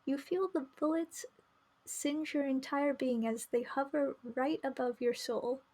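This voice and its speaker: A woman's voice: high voice, fairly even intonation, measured pace, warm tone. A woman game streamer reading narration aloud and chatting casually as she plays. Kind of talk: live read-aloud narration with casual commentary. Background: faint music.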